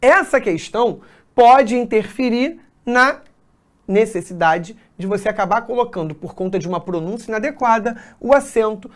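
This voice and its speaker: Lively Rio-woman teacher. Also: on the high side, moderate pace. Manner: explanatory, checks in with "ok?" and "né?". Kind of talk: exam-prep grammar lesson.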